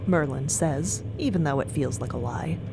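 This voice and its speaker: A woman's voice: low-pitched, moderate pace, warm tone, soft background music, low-quality recording. A woman delivering dramatic scripted narration for an audio fiction story.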